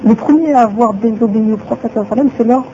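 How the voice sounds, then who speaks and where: A woman's voice: on the high side, rapid-fire, dark tone, a little hiss or hum. A woman teaching a religious lesson who repeats her phrases and asks rhetorical questions, on a dull lo-fi recording.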